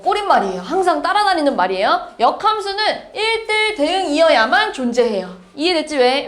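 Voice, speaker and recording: Woman math teacher, high bouncy voice, echoey classroom, keeps asking got it?. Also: a little hiss or hum. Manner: lively, checks understanding with quick questions. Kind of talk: classroom lecture.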